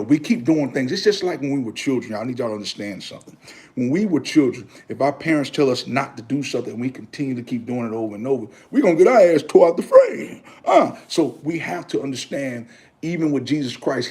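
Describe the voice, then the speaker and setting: Talking about faith on his casual livestream, a host in his thirties preaches easily and repetitively, addressing viewers as "brother" and "y'all." His middle-pitched voice is a little mellow, with a breathy edge.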